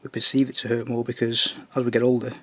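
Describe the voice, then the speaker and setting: A Northern English man with a husky, strained voice, recovering from tonsillitis, chatting casually as he paints a scale model. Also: mid-range voice, flat delivery, quick pace, dry recording. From Northern England. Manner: chatty, jokey asides while working.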